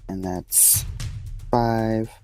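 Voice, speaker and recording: A man's voice: fairly low pitch, fairly even intonation, extremely slow, darkish tone, soft background music. A man playing a tabletop role-playing game, talking casually as a player. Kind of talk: casual game chat, some in-character narration.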